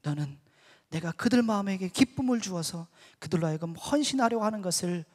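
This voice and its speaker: Male preacher doing God: stern, measured divine voice, bright and high, echoing church hall. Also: expressive. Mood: stern rebuke. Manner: quiet rebuke rising to firm emphasis.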